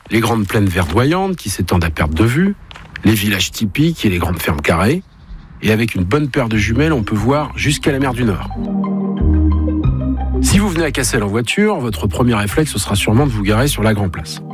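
A man's voice: on the low side, expressive, moderate pace, faint music behind. A man narrating a travel podcast like an enthusiastic guide, speaking straight to the listener. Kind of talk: scripted narration.

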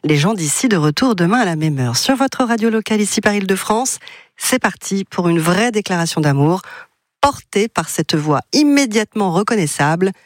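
A woman presenting a local radio morning show with smooth, polished scripted announcing. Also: medium pitch, lively intonation, normal speed, no echo, clean studio sound.

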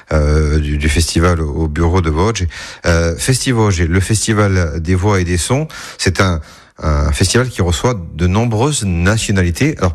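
A man hosting a radio interview, measured and hesitant with fillers. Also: sits low. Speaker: radio host.

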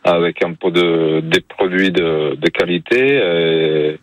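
A man running a small pizzeria, answering hesitantly with many pauses and fillers. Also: deep voice, no room sound. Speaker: pizzeria owner guest.

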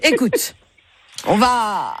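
A radio game show host with chatty, teasing banter and theatrical slow-downs when reading out questions. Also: medium pitch, sing-song, a bit bright, no echo, clean studio sound. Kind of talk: radio quiz hosting, playful banter. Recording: music bed behind the voice. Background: music.

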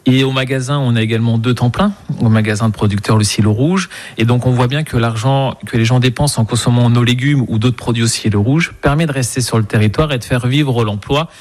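A man's voice: mid-range voice, steady tone, a little fast, few pauses, darkish tone. Earnest male market gardener. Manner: earnest, with restarts. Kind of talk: radio interview.

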